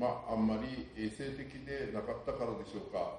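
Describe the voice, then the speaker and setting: Light background noise and audible room echo accompany a man speaking with a Tsugaru accent. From Tsugaru, Aomori, Japan. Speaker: storyteller in local dialect. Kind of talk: explanatory talk on regional dialect and memories. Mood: calm, wistful. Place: home room.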